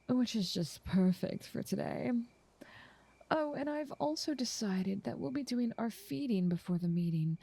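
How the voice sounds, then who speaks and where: In an ASMR roleplay, a woman voices a doting, possessive noble vampire, coaxing softly in genteel language and frequently dropping into a whisper. Her medium-pitched, creaky voice moves slowly and soothingly. The close, dry microphone gives a dry recording.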